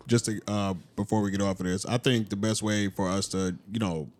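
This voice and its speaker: A man with an African American accent and a somewhat low voice. He speaks casually in a group discussion. His way of talking is reflective and conciliatory. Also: steady tone, fairly quick, a little mellow.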